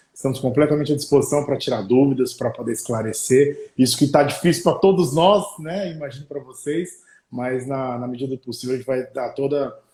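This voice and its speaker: A man with a São Paulo interior accent, somewhat breathy and fairly high-pitched, at a moderate pace with ordinary pitch variation. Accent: caipira accent from interior São Paulo. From Brazil, interior of São Paulo state (Barretos). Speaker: pulmonologist, doctor. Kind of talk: live-stream conversation. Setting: online live stream, video call with headphones. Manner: hesitant, repeats words.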